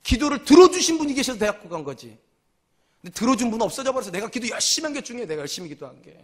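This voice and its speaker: A man's voice: very high-pitched, sing-song, very fast. A male senior pastor preaching a sermon to his congregation. He asks rhetorical questions and repeats key lines for emphasis. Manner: acts out quoted voices in short dialogues.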